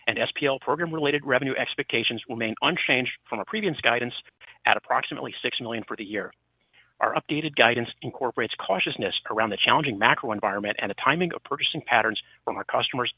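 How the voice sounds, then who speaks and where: A man delivers a scripted financial update as an executive, reading quickly. His voice is husky, and the conference line is dry and slightly dull. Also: medium pitch, no echo. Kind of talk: scripted corporate presentation.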